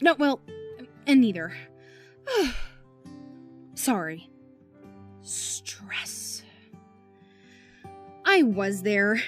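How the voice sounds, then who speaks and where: An actress playing a flustered, rambling aide to a senator, talking to the police. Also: female voice, high voice. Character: harried female political aide, chatty and evasive. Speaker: senator's deputy. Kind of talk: audio drama acting.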